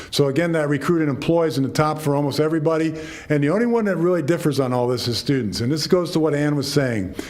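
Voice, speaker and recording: Amid noticeable background noise and audible room echo, a man talks at a very fast pace in a fairly high voice with ordinary pitch variation. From New Jersey. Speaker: superintendent search consultant. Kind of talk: presentation to school board. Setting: public meeting.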